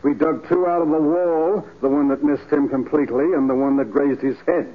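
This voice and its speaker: Guy as pushy police sergeant, clipped and accusing, a bit high pitched, tinny old radio drama. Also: fairly even intonation, brisk, lightly acted. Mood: matter-of-fact. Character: blunt, insistent police sergeant grilling a suspect. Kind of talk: 1940s radio acting. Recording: tinny 1940s radio recording.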